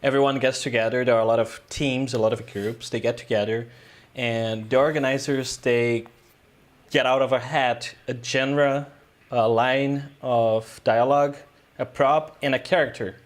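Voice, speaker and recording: Man, guest filmmaker, casual interview, rambling storytelling, mid pitch. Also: fairly even intonation, normal speed. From Brazil. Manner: loose, rambling storytelling with frequent "uh" and "um".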